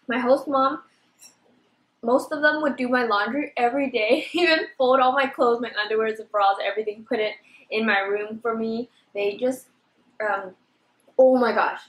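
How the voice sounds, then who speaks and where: A woman's voice: fairly high pitch, a bit bright. A young woman chatting casually in an eating vlog, bubbly and talkative, filling her speech with "like". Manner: bubbly, chatty, says "like" often. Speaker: vlogger. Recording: echoey room.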